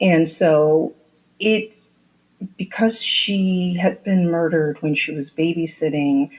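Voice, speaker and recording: Speaking very slowly in a Midwestern US accent, a woman keeps a fairly low pitch with ordinary pitch variation. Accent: Midwest nasal. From US Midwest, Waukegan, Illinois. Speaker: true crime podcast host. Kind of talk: interview.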